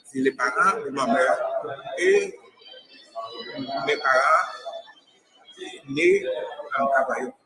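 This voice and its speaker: A man from Cuba, answering interview questions in a halting way, often repeating his words. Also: medium pitch, wildly swooping pitch, rough recording. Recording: crowd chatter behind.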